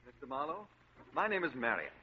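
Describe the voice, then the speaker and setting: A man's voice: medium pitch, huge pitch swings, a little fast, husky. An actor playing a refined, well-dressed man who talks in a prim, hesitant, stammering way. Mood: nervous. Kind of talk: 1940s radio acting. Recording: dull old radio recording with faint hiss.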